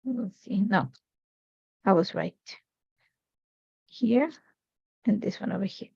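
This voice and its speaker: A middle-aged crafting host with an Ecuadorian Spanish accent, Spanish being her native language, runs a live demonstration from a crafting desk shot overhead, chatting casually as she thinks aloud. Her mid-range voice is gravelly, a little mellow, and slightly rough, and she takes it slowly. The audio is dull lo-fi stream sound.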